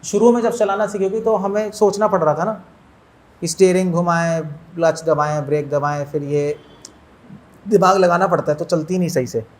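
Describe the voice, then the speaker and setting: A man's voice: high voice, steady tone, normal speed. A man, a monk, giving a spiritual lecture to an audience, asking them questions and mixing in English words. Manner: asks listeners questions, mixes in English words.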